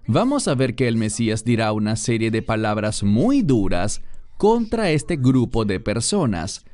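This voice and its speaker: A man's voice: medium pitch, a little mellow. A man preaching a sermon, emphatic and speaking directly to his listeners.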